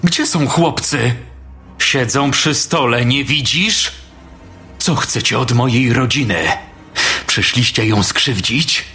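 A man voicing a deranged middle-aged man who treats dolls as his family, speaking slowly and menacingly. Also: mid-range voice, pushed and bright, soft background music. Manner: menacing, then screaming.

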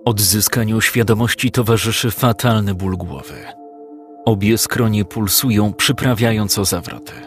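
A man narrating a dramatic story in a calm, measured audiobook reading. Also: fairly low pitch, faint music behind.

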